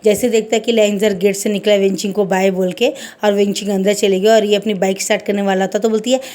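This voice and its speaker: A woman's voice: medium pitch, little pitch movement, fast talker, darkish tone. A woman telling a romance fan fiction story aloud in a rambling, conversational way.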